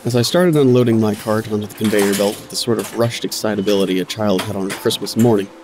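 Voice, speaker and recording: A man's voice: fairly low pitch, fairly even intonation, fast, background noise, natural voice. A man playing an impatient, nervy narrator in an audio drama, wordy and sardonic. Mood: wry, agitated.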